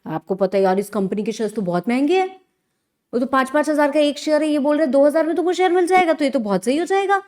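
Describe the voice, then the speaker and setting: Female law lecturer, Indian accent, higher-pitched voice, conversational teaching with lively rhetorical questions. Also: quick pace. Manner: animated teacherly, asks and answers own questions, frequent check-ins. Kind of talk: conversational online lecture in mixed Hindi and English.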